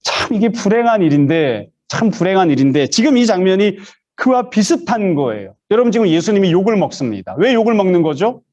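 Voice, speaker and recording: Lively, high-voiced male preacher. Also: fairly quick. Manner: storytelling, acting out quoted voices. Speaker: pastor. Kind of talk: sermon.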